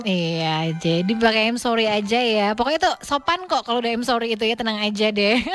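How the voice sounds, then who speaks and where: A woman's voice: on the high side, expressive, brisk, fairly bright tone. A young woman hosting a studio radio show, chatting casually and giggling as she reads out listener messages. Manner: chatty, giggly, many fillers. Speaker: radio host.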